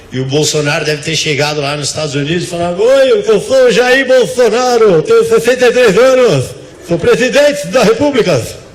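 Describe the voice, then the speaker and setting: Over noticeable background noise and audible room echo, a man with a high voice talks at a fairly quick pace, his pitch swinging very widely. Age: 30s. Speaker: stand-up comedian. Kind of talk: stand-up. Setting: stage with audience.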